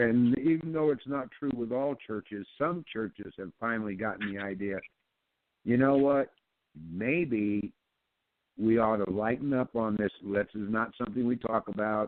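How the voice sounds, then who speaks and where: A man with an ordinary speaking voice talks at a moderate pace and a medium pitch, with ordinary pitch variation. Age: 60s. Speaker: radio co-host. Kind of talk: casual chat. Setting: internet radio show.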